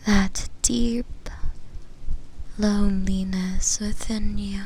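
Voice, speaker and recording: A woman voicing a possessive, flirty, melancholic shadow demon in a breathy, deliberate whisper for an ASMR roleplay. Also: medium pitch, steady tone, darkish tone, slight background noise, poor audio. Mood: brooding, intimate. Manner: slow, deliberate, drawn-out phrases.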